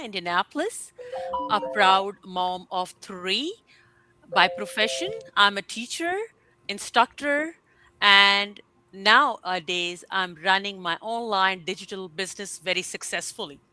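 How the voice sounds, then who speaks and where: A woman's voice: medium pitch, unhurried, pushed and bright, poor audio. A woman introducing herself proudly on an online panel. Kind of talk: self-introduction.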